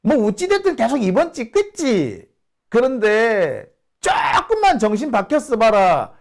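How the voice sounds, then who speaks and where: A man imitating an old school friend, an excitable middle-aged man with a Busan dialect, talking loud and teasing. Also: very high voice, unhurried, vocal fry, voice pushed up, heavily acted. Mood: excited teasing.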